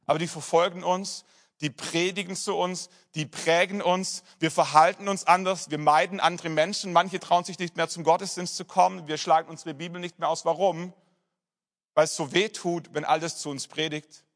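A middle-aged male pastor preaching a sermon, telling personal stories and dropping to soft emphasis. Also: on the high side, fairly even intonation, normal speed.

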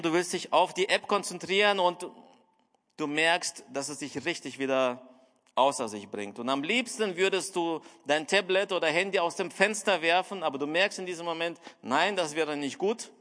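A middle-aged man preaching a sermon, telling a story and speaking straight to the listener, with wide swings in loudness and pitch. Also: normal speed. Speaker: pastor. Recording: long hall reverb.

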